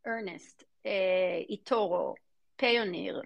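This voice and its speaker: A guest who invests in fintech ventures gives informal, emphatic interview answers in an Israeli accent, often repeating words. Her medium-pitched voice is creaky, and the highs are cut off.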